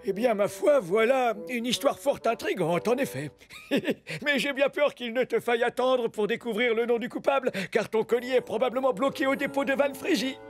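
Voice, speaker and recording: Cartoon bookworm critter: extremely high pitch, polite and timid, old-fashioned courtesy, over background music. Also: male voice, moderate pace. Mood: apologetic, hesitant. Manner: courteous, hesitant, chuckling, old-fashioned phrasing. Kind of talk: French children's cartoon dubbing. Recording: music bed behind the voice.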